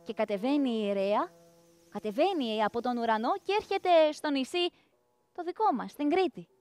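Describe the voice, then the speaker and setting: A woman's voice: sits high, animated, darkish tone, no room sound. A woman performing a myth as a live storyteller, dramatic and speaking straight to her audience. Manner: dramatic, addresses the audience directly. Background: live plucked string music.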